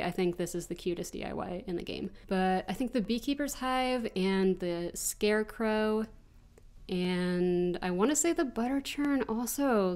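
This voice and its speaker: A woman in her twenties with an American accent, stuffy from allergies, chatting casually as she answers viewer questions over gameplay. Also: medium pitch. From United States. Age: 20s. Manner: chatty, rambling, frequent ums and restarts. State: congested from allergies. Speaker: gaming channel host.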